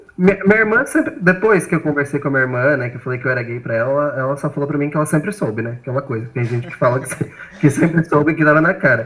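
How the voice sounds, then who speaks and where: Speaking at a very fast pace, a man uses a fairly high pitch and lively intonation. Noticeable background noise is present. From Brazil, countryside. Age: 20s. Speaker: theatre worker. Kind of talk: casual chat. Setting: remote online call.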